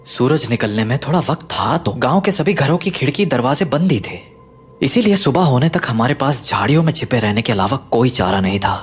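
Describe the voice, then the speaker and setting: A man's voice: medium pitch, fairly quick, breathy edge. A man playing a grave grieving father. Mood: solemn. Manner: solemn, explaining calmly. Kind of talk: audio drama acting.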